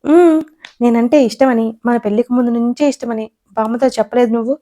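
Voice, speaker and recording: A woman's voice: fairly high pitch, fairly even intonation, a little fast, mellow, close to an everyday voice. A woman doing a touchy, pouting young wife. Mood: sulky teasing. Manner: sulky, teasing back and forth.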